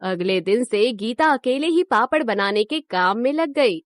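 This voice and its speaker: A woman giving scripted narration for a cartoon moral story in an even storytelling manner. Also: on the high side, a little slow, dry recording, clean studio sound.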